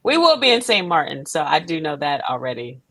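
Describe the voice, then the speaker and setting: A woman's voice: sits low, sing-song, fairly quick, gravelly, a bit bright, no room sound. A woman guest talking conversationally in an interview, earnest and emphatic. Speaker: playwright and director, guest.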